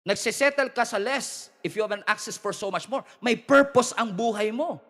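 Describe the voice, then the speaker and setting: A man preaching a lively sermon to his church. He mixes Tagalog and English, jokes with the crowd and calls for amens. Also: sits high, normal speed. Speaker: pastor. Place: large church hall with a live congregation. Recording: long hall reverb from a church.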